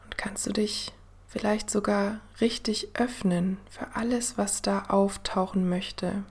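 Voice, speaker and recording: A woman leads a guided meditation in the soothing style of a sleep story narrator. Her voice is soft and breathy with a creaky edge, often sinking toward a whisper. She goes slowly and gently, leaving room between phrases. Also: mid-range voice, steady tone. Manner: gentle, unhurried, with long pauses. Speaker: podcast host and meditation guide.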